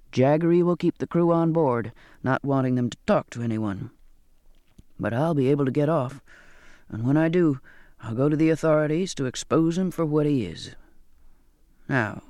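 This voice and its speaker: A man voicing a kindly, earnest Black sailor in an audiobook, with a measured, coaxing, questioning manner. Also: on the high side, darkish tone, no echo, clean studio sound. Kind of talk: audiobook character dialogue.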